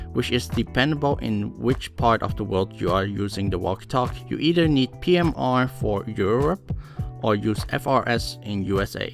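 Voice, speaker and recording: A man narrates a scripted product review. His voice sits at an average pitch for a man. Music plays behind him as he presents. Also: vocal fry. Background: background music.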